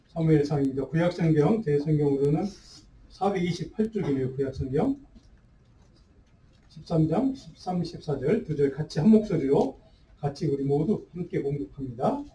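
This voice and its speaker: Pastor, male, mellow tone, roomy church sound, mic at a distance. Unhurried sermon delivery. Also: on the high side, a little hiss or hum. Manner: unhurried preaching with restarts and fillers. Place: church sanctuary.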